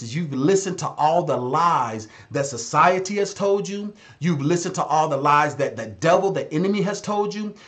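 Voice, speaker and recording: Man, 30s, fairly high voice; blunt, exhorting consultant who repeats phrases for emphasis. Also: a bit bright. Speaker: business consultant. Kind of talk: live-stream advice talk.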